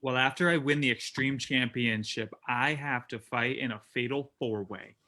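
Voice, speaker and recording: Brash, cocky male wrestler acted by a man, bright forceful voice, taunting promo delivery. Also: medium pitch, moderate pace, close to an everyday voice. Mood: boastful, aggressive. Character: brash, boastful, trash-talking male pro wrestler. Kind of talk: staged reading of wrestling promos.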